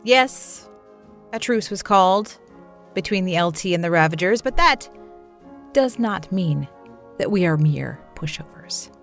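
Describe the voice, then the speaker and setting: An actress playing a swaggering wasteland militia lieutenant in a comedy, declamatory and tough with mock-official boasting. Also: female voice, on the low side, animated, measured pace, long pauses, soft background music. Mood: defiant, proclaiming. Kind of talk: comedic audio drama acting.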